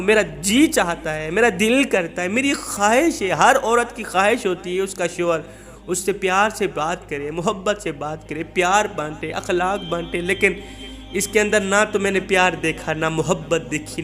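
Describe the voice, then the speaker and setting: A man's voice: sits high, fairly bright tone, faint music behind. A man voicing a mistreated wife who pleads in a tearful lament of repeated lines.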